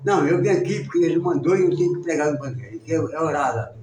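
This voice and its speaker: A man's voice: on the high side, lively intonation, quick pace, background noise, close to an everyday voice. Man doing a humble, stubborn preacher. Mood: insistent. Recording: roomy sound, distant mic.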